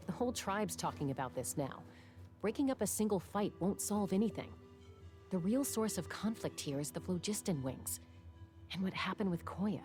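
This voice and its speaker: A woman's voice: medium pitch, expressive, normal speed, a little mellow, faint music behind, natural voice. A woman playing a composed, serious young tribal peacekeeper in a video game. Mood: calm, serious. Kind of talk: video game character dialogue.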